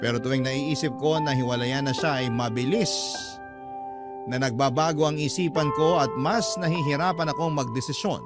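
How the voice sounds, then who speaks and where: A man's voice: medium pitch, normal speed, close to an everyday voice. A man narrating as a young woman who earnestly confides her relationship troubles to a radio host. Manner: earnest, confessional. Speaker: letter-sender narrator. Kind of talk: dramatized first-person letter reading. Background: loud background music.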